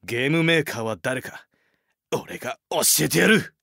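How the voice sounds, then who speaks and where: A man's voice: on the high side, lively intonation, normal speed, gravelly, a bit bright, dry recording, studio quality. A man playing a confident, determined young athlete, a cool-headed team playmaker, anime-style. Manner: cocky, determined. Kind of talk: anime-style dramatic acting.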